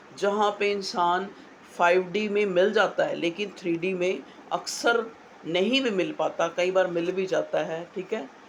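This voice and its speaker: A woman speaks very slowly at a medium pitch with ordinary pitch variation. Noticeable background noise runs underneath. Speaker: tarot reader. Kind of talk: collective tarot reading.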